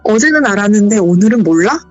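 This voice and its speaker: A woman voicing a creepy aunt whose sugary coaxing turns to sharp scolding, in a husky voice. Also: lowish voice, normal speed, muffled recording, soft background music. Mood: angry scolding. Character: creepy aunt, mood swinging from sweet to shrill.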